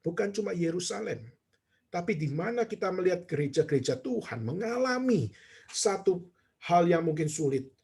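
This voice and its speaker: Male pastor, sermon, storytelling, rhetorical questions, raised pitch, breathy voice. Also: expressive, moderate pace, a little mellow. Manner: storytelling, quoting others, rhetorical questions to the congregation.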